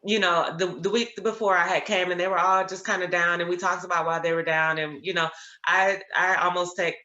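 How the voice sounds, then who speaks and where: An attorney who hosts an interview show tells stories conversationally in a lowish, brisk voice, using many ums and growing animated when she quotes other people. The recording has an echoey room sound with the highs cut off.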